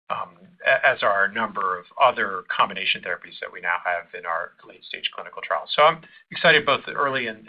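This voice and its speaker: A husky-voiced male executive answering on an earnings call in a halting way, over muffled conference audio. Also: lowish voice. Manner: halting, repeats words. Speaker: company executive.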